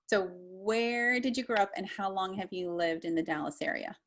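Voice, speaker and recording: A woman's voice: mid-range voice, lively intonation, moderate pace. A woman hosting a casual interview panel from Pittsburgh, upbeat and chatty. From Pittsburgh area. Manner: upbeat, chatty, laughs often. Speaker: podcast host.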